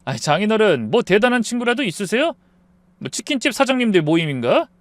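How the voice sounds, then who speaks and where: A man voicing an arrogant, drunk husband who sneers and shouts in a high, strained voice. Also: big pitch swings, normal speed, no echo. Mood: sneering.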